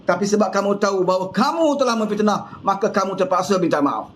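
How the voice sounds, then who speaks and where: Fiery high-voiced Malaysian man scolding. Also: expressive, quick pace. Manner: fiery, scolding, rhetorical questions. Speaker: political commentator. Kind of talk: impassioned political monologue.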